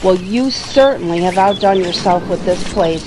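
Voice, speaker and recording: A woman's voice: on the low side, normal speed, music in the background, close to an everyday voice. A woman playing a gushing, polite visiting friend in an audio drama. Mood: admiring. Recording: noisy, birdsong ambience.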